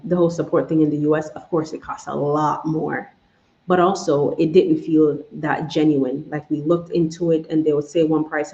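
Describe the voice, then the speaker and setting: A woman's voice: low voice, dark tone. Woman, Jamaican accent, casual live chat, restarts often, roomy echo, slightly muffled. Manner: rambling, self-correcting, addresses viewers directly. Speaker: channel host doing a live Q&A. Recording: echoey room, slightly dull sound.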